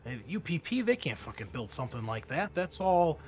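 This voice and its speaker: A man's voice: fairly high pitch, big pitch swings, brisk, faint music behind, voice pushed up. A man playing a blunt, foul-mouthed soldier who explains things emphatically. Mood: blunt, insistent. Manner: emphatic, profane.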